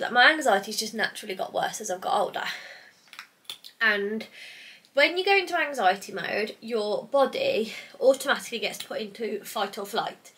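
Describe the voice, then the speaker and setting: Bright, chatty young woman vlogger. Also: medium pitch, husky. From United Kingdom. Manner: chatty and rambling, sidetracks mid-thought. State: congested from hay fever or a cold. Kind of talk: casual chat to camera.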